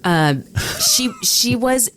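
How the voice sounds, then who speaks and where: A woman's voice: a little high, expressive, very slow, a bit bright, a little hiss or hum. An American woman telling stories casually as a podcast co-host. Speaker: podcast co-host and radio personality. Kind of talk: casual chat, anecdotal storytelling.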